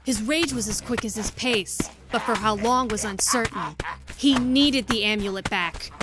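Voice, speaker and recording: A woman's voice: on the high side, normal speed, noisy background. A woman narrating a scripted story as the narrator of an audio drama.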